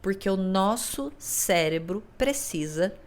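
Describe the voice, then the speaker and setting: Her voice is mid-range and her pace slow as this Brazilian woman in her thirties hosts a podcast. With a Brazilian Portuguese accent, she talks in a loose, expressive monologue, dropping the odd swear word and performing the people she quotes.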